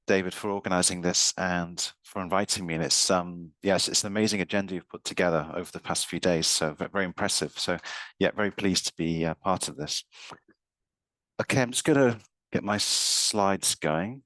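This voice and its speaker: Low deep slightly croaky guy lecturing on a video call, dry sound, kinda repeats himself. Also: fairly bright tone, dry recording, low-quality recording. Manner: measured, repeats words while thinking. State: slightly hoarse from illness. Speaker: university lecturer. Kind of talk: academic presentation.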